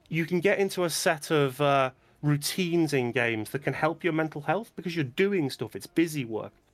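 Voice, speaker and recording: With a British accent, a man talks at a moderate pace with a fairly high pitch and ordinary pitch variation. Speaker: film teacher. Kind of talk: casual chat.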